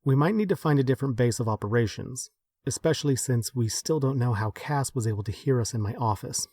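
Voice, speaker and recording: An actor playing a modest, self-doubting leader, hesitant and thoughtful, in naturalistic audio drama dialogue. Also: male voice, medium pitch, a little fast, darkish tone, slightly rough, dry recording, clean studio sound, lightly acted. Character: modest, self-doubting man leading a small group.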